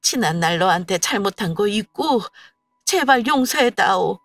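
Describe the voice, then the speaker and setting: A woman's voice: mid-range voice, lively intonation, normal speed, a bit bright, no echo, soft background music. Woman voicing a whiny older mother-in-law. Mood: pleading. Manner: whiny, complaining.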